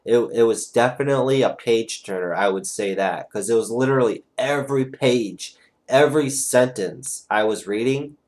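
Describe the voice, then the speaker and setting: A man's voice: medium pitch, normal speed, a little mellow. A young man at home reviewing a trading book over a webcam, eager and rambling as he talks with his hands. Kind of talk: casual screen-share review. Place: small room at home, indoors.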